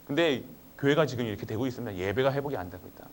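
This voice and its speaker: A man preaching a Friday sermon as pastor in a church, with many rhetorical questions, moving between low quiet asides and raised, emphatic calls. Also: lively intonation, rapid-fire. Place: church sanctuary.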